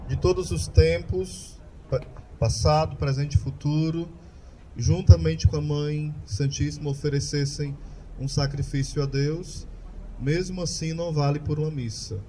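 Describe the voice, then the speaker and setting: A man's voice: fairly high pitch, dark tone, a little hiss or hum. Brazilian man teaching about the Mass. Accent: Brazilian Portuguese. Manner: asks the audience questions and answers them. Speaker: Catholic lay preacher. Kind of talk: catechetical talk.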